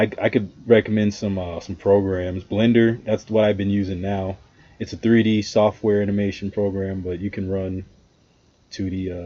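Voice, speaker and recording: A low-voiced man rambles through a casual livestream, swearing freely and chatting with his viewers. His audio is dull and lo-fi, with the muffled top end of a cheap stream mic. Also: dark tone. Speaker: streamer reacting to a video.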